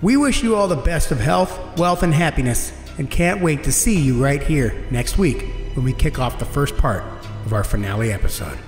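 A man's voice: fairly high pitch, lively intonation, moderate pace. A man presenting a podcast, reading scripted credits and announcements to listeners. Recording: echoey, reverberant, soft music underneath.

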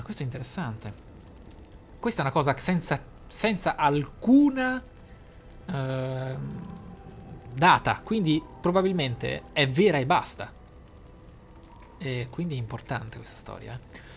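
A man reads game lore aloud for his gaming channel, giving it expression and pausing for casual reflections in asides. He speaks at a medium pitch over game music, with slight background noise.

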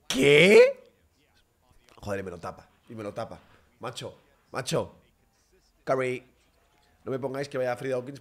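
A young man giving excitable live reaction commentary on a basketball game, bursting into shouts. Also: fairly low pitch.

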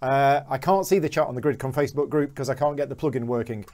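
A man's voice: mid-range voice, quick pace, darkish tone. A man in his thirties hosting a live-streamed Q&A interview from a home studio, chatty and jokey with frequent fillers. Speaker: host.

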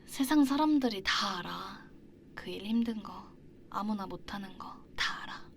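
A woman performing an ASMR role-play as an affectionate partner in a long-distance romance, speaking softly and intimately into a close binaural microphone with gentle, halting delivery. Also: mid-range voice, lively intonation, slight background noise. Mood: reassuring. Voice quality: soft, breathy soft voice. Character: affectionate young woman talking to her faraway astronaut partner.

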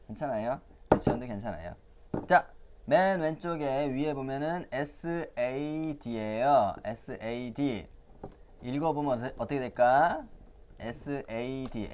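A man's voice: mid-range voice, a little mellow. A male English vocabulary teacher giving a playful lesson to young children, coaxing them with quiz questions and frequent chuckles.

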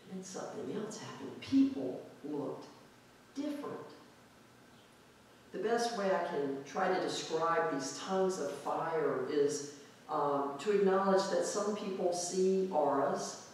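A male pastor giving a reflective, conversational sermon in a church sanctuary, drawing out key words slowly for emphasis. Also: fairly high pitch, a little hiss or hum. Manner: reflective, conversational preaching with slow drawn-out emphasis. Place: church sanctuary with pipe organ, indoors. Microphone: far camera at back of sanctuary. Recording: very echoey church hall from far off.

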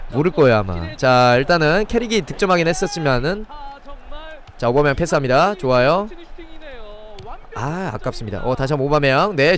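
Excitable man calling live game play. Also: a little high. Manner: excitable play-by-play, chatting with viewers. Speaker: game streamer. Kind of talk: live gameplay commentary.

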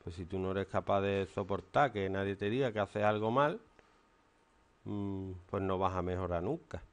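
A man's voice: low-pitched, normal speed. A stern man, teaching and lecturing a class in a classroom. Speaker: English teacher.

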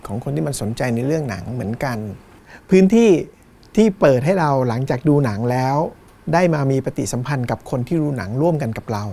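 A middle-aged Thai man, a cinema owner, talking thoughtfully in an interview, unhurried and pausing to find his words. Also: mid-range voice, animated, vocal fry, warm tone, husky. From Thailand. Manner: thoughtful, unhurried, with fillers and restarts. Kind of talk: reflective interview talk. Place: small cinema in front of a screen, indoors.

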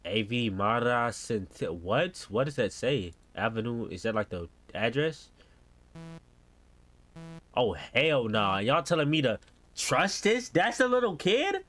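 A man's voice: medium pitch, very animated, slow pace, a bit bright. A young American man doing casual, slangy game reaction commentary as a streamer, often exclaiming. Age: young adult. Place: indoor room at home.

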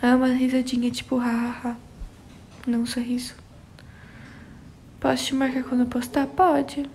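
A young woman from Brazil with a São Paulo accent hosts a relaxed phone livestream, greeting viewers by name as she reads their comments. Her voice sits high but barely moves, with a gravelly edge. She speaks slowly, with a faint hiss behind her. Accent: São Paulo Portuguese. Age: young adult. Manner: laid-back, answers viewers by name. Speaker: livestream host. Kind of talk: casual live chat reading viewer comments.

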